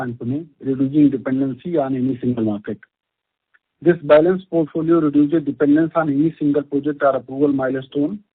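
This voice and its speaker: A man with an Indian accent reads a scripted corporate earnings presentation as a company executive, formal and measured, over a conference call line. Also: on the high side, breathy edge. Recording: muffled band-limited conference call audio.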